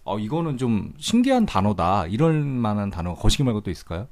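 Man, host, teasing, quick, very animated voice. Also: lowish voice. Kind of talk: casual talk-show chat.

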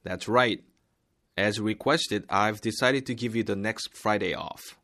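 A man reading the part of a coworker in a textbook dialogue, slow and carefully enunciated. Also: lowish voice, sharp tone, heavily acted. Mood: calm.

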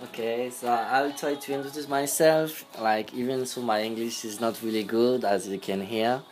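A man's voice: mid-range voice, fairly even intonation, moderate pace, darkish tone, soft background music. A young man from France with a French accent, a podcast guest speaking English as a second language, hesitant and searching for words. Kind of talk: casual conversation.

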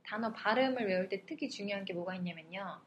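A woman's voice: mid-range voice, fast talker, lo-fi sound, a little hiss or hum. A woman co-hosting a casual podcast chat, patiently explaining English words and modeling how they sound. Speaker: podcast co-host teaching English.

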